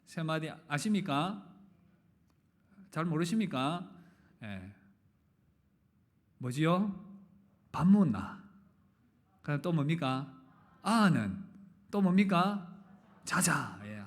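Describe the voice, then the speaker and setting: Male pastor, from the Gyeongsang region, sermon, fairly high voice, very lively pitch, questions and jokes with the congregation, loud emphatic openings. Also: slow, long pauses. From Gyeongsang region, Korea. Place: church sanctuary. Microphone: live-streamed service mic.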